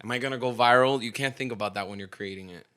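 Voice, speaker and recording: A man's voice: medium pitch, rapid-fire, smooth. A young man, joking animatedly on a casual podcast and mixing in Spanish. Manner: animated, joking, slips into Spanish, laughs often. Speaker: podcast guest, performance artist.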